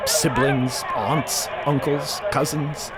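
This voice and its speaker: A man's voice: mid-range voice, little pitch movement, takes it slowly, a loud crowd, very noisy. A man delivering scripted dramatic narration as a co-narrator of a story.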